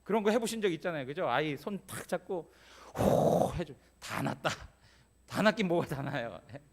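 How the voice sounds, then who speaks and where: A man's voice: fairly high pitch, very animated, a little fast, vocal fry. A male pastor delivering a Sunday sermon in a church, talking conversationally and often checking in with the congregation. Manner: conversational preaching, frequent "예?" prompts to congregation. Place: church sanctuary.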